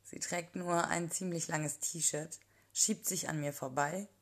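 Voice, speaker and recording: Low, husky woman telling an intimate story. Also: steady tone, slow pace. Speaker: narrator. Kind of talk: first-person erotic audio story reading.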